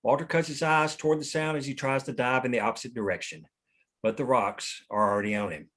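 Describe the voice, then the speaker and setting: Male narrator for a screenplay read, mid pitch, reading scene headings and action. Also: a little fast, fairly bright tone. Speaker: narrator reading stage directions.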